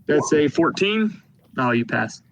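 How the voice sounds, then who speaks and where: A man narrating a tabletop game as game master, calling turns and dice rolls in a steady, matter-of-fact way. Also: on the high side, a little slow, a little hiss or hum, poor audio.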